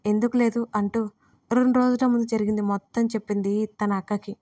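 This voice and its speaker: A woman narrating a romantic audio story in a steady, expressive reading style, close to the mic. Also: medium pitch, fairly quick.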